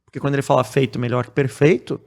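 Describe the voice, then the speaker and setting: A man from Brazil, a podcast guest talking casually in a blunt, direct way and growing animated when he explains. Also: mid-range voice, very fast, gravelly. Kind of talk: casual conversation.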